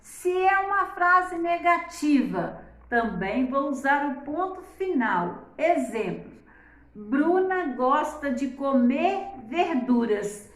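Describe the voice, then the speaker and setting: A woman, teaching a class and speaking in a slow, deliberate way, exaggerating the intonation of her examples and often adding "né?". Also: sits high, very animated, reverberant.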